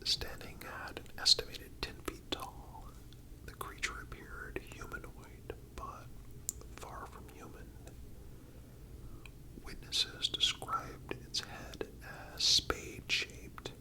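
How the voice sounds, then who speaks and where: A man whispering a scripted story as an ASMR host, in a measured, deliberate way with pauses. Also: low-quality recording.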